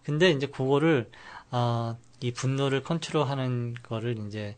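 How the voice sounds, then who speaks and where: A middle-aged man, a pastor and family counselor, explaining calmly on a radio talk show with many fillers. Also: mid-range voice, normal speed. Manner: calm explaining, with many fillers and English loanwords.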